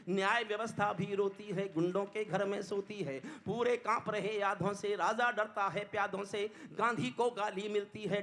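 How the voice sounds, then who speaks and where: A man reciting his poetry on stage in a declamatory style, dropping to hushed lines and then rising to loud, impassioned peaks, and speaking directly to the audience to ask for applause. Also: very high voice. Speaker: poet.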